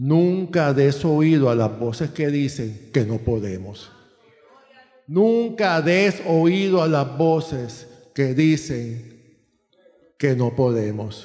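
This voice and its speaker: A man with lively intonation speaks very slowly. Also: fairly high pitch for a man. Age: 60s. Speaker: lay preacher. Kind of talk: sermon.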